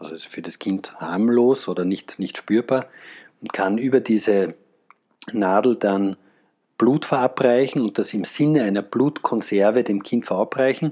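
On a very clean recording with a silent background, a man with a medium pitch and a dark, mellow tone speaks fairly slowly with ordinary pitch variation. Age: 40s. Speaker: physician. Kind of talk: interview.

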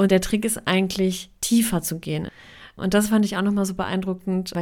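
In a very clean recording with a silent background, a woman of medium pitch speaks at a fairly quick pace. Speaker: podcast host and novelist. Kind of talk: casual chat. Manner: animated.

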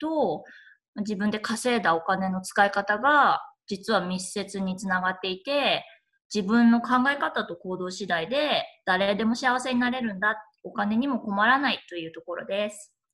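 Her tone bright and sharp, a woman speaks at a fairly slow pace, her loudness swinging widely while her pitch varies in an ordinary way. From Japan. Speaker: early retiree and YouTuber. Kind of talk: interview. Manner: frequent fillers.

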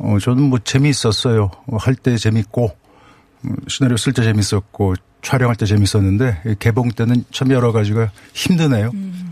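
Noticeable background noise sits behind a man at medium pitch who uses ordinary pitch variation. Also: moderate pace. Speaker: actor and film director. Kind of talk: interview.

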